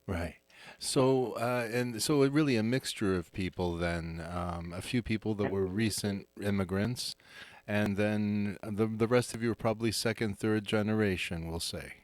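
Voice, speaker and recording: A man's voice: on the low side, moderate pace, dry recording. A man hosting a live radio interview in a studio, chatty, with many fillers and restarts. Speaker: radio host.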